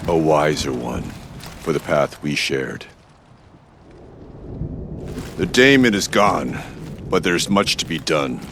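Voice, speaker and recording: A man playing a solemn, grieving tribal chieftain in a video game, with a gravelly voice and a grave, formal way of speaking. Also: expressive, unhurried, a little hiss or hum, heavily acted. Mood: warm resolve. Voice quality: very deep, gravelly. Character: solemn grieving male Banuk tribal chieftain, proud older brother. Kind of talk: dramatic video game acting. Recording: loud music behind the voice. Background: loud game score.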